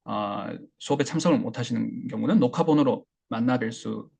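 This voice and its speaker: Male instructor, gravelly and husky, mid-pitched; relaxed lecturing with fillers. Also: fairly quick. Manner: relaxed, explanatory, many fillers and restarts. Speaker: English listening instructor. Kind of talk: online class lecture.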